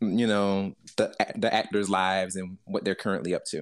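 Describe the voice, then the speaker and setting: A man's ordinary speaking voice, fairly low in pitch and at a fairly quick pace, against a quiet background. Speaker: podcast co-host. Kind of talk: casual chat.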